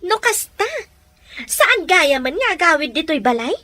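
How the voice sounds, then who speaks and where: An actress playing a young, concerned younger sibling in a radio drama, with a Filipino Ilocano accent. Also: female voice, extremely high pitch, very animated, measured pace, pushed and bright, dry recording, full character voice. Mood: curious.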